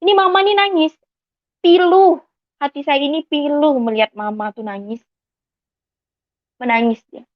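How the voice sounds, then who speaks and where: A woman's voice: high voice, normal speed, long pauses, no room sound. A young woman from Indonesia tells her personal testimony earnestly and acts out the voices of the people in it. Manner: earnest storytelling that acts out quoted dialogue. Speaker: convert giving a testimony. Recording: slightly dull, dry recording.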